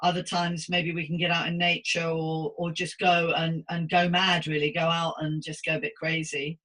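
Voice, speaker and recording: Bright-voiced woman hosting a supportive interview. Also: low voice, level tone, moderate pace, rough recording. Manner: effusive, gently encouraging. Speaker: podcast host and psychotherapist.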